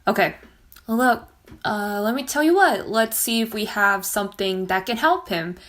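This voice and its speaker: A woman playing a brisk, practical polling-place volunteer leader in an amateur theater skit, matter-of-fact and easily flustered. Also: mid-range voice, lively intonation, a bit bright, natural voice. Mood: flustered, exasperated.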